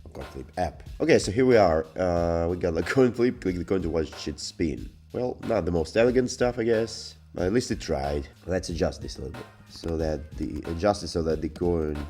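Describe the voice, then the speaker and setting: A man's voice: sits low, moderate pace, hardly any pauses, warm tone, faint music behind. A man giving casual, unscripted review commentary in a hesitant, rambling, sardonic way. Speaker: YouTube software reviewer.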